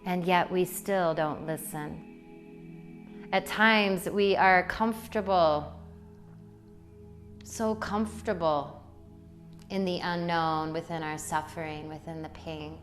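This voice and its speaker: A woman leading a guided meditation in a poetic, soothing way, with deliberate phrasing and long pauses. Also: lowish voice, fairly even intonation. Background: music.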